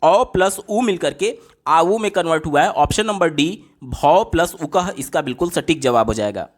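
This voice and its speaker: Male exam tutor, raised pitch, voice-over walkthrough that repeats each answer. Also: expressive, normal speed. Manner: asks and answers his own questions, repeats answers.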